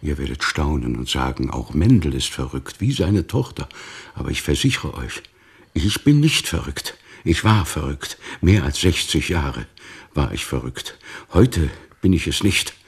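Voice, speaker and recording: Gravelly, bitter old Jewish man. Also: rumbling low, very animated, a little slow, full character voice. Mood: bitter, defiant. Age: 60s or older. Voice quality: gravelly, husky. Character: old Jewish teacher, despairing, bitter, defiant toward God. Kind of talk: radio play acting.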